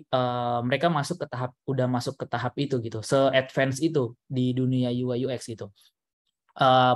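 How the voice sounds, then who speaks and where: A man's voice: medium pitch, a little mellow, no room sound. A man speaking as a webinar speaker, answering questions casually in a rambling way full of fillers and restarts over a video call.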